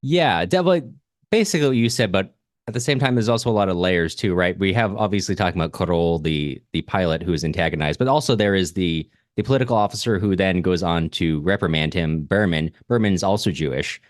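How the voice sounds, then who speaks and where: A man's voice: low voice, quick pace, no echo, studio quality. A man co-hosting a book podcast, talking casually in an informal, rambling way. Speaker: podcast co-host. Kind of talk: casual literary discussion.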